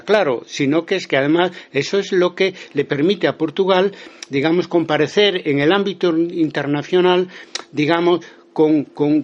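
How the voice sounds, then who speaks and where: A man with an accent from Spain giving spontaneous political commentary in an interview, haltingly, often repeating words and restarting. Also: a little high, muffled recording. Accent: Spanish from Spain. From Galicia, Spain.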